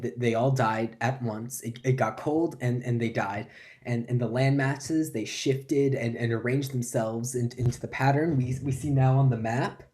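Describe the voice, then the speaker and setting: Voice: mid-range voice, mellow, close to an everyday voice. A performer playing a flustered, forgetful lecturer who stammers and repeats words through a comic stage monologue.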